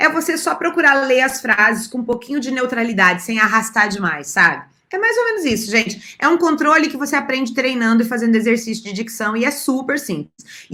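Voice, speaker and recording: A woman with a caipira accent speaks high and with lively intonation. Her pace is fairly quick, with hardly any pauses. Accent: caipira Brazilian. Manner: explaining, conversational.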